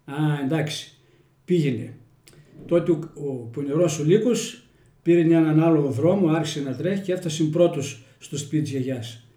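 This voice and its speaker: A man with a Kozani accent telling village folk tales in a homely, folksy way. His voice is mellow and dark, a little higher than usual for a man. The room is roomy and echoey. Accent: Kozani Greek dialect. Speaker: storyteller interviewee.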